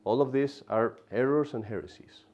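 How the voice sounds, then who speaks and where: A man teaching an adult catechism class in an animated way, often repeating himself and turning aside to talk to the class. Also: medium pitch, normal speed, highs cut off.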